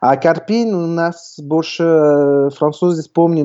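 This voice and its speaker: A man talks at a very slow pace. He has a French accent. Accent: French-accented Russian. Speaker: football writer. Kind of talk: interview. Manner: halting.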